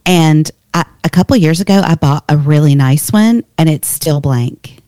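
A woman's voice: low voice, normal speed, mellow, dry recording, studio quality. A woman talking casually as a guest on a talk show. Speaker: podcast guest. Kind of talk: casual chat.

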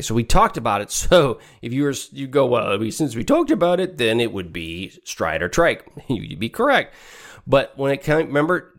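A middle-aged man with a lowish voice and the stuffed-up sound of a cold. He talks through exam questions in a relaxed, conversational way, reading out each option before reasoning toward the answer. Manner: casual and conversational, reads options then reasons aloud. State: congested from a cold. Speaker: podcast host and exam tutor.

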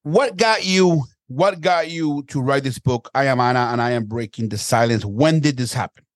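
A man hosting an interview show, energetic and upbeat, often repeating his first words as he starts a question. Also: medium pitch, moderate pace, no echo, studio quality. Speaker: podcast host.

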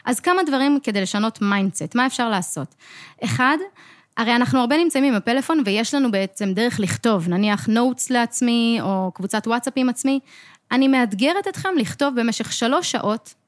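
A woman's voice: on the high side, lively intonation, dry recording, clean studio sound. A young adult woman co-hosting a podcast as a coach, explaining earnestly in casual chat and acting out the voices in her head.

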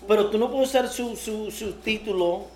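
A woman's voice: mid-range voice, moderate pace, darkish tone. A woman born in the United States hosting a casual interview, often repeating words and laughing easily. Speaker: podcast host. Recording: echoey room with faint noise.

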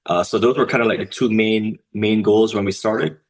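A man from Barbados, co-founder of a conference, answering interview questions in a measured way with many restarts and fillers. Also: fairly low pitch, steady tone. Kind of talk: podcast interview.

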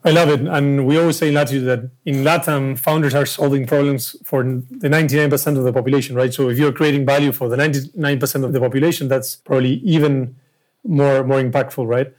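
A man co-hosting a podcast, asking the guest questions in a friendly, relaxed way. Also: mid-range voice, fast talker. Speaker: podcast co-host. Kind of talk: interview questions.

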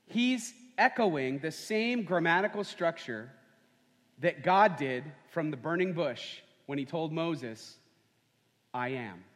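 A man's voice: on the high side, lively intonation, takes it slowly, fairly bright tone. A man preaching a sermon as pastor, conversational and full of rhetorical questions. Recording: long hall reverb.

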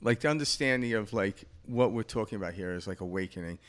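A man's voice: lowish voice, fast, fairly bright tone. A man in his fifties co-hosting a podcast, talking in a rambling, reflective way with lots of fillers and easy laughter. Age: 50s. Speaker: podcast co-host. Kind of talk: casual spiritual chat.

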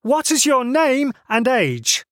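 A man's voice: extremely high pitch, big pitch swings, slow, fairly bright tone, dry recording, clean studio sound, pitched above the performer's own voice, heavily acted. A man doing a chirpy, eager young man. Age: young adult. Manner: cheerful, eager, fussily polite. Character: eager gangly young man, awkward, overly formal.

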